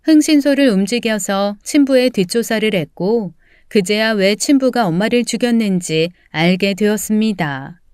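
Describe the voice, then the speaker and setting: Woman acting as wronged daughter, first-person audio story, smooth clear voice, medium pitch, measured, restrained, resolute, dry close sound. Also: a little mellow, dry recording, lightly acted. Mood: bitter, resolute.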